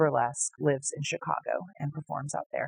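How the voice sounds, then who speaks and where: Her voice very deep and low, a woman with a West Coast accent talks at a moderate pace, somewhat breathy and with fairly even intonation. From Grants Pass, Oregon, USA. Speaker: burlesque performer. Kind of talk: oral history interview answer.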